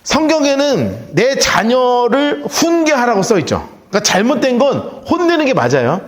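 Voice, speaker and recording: A male pastor teaches a Bible study in church, his voice sitting a little high. He tells the story with wide, lively swings in pitch and briefly takes on the voices of the characters. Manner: storytelling, acts out the characters' lines.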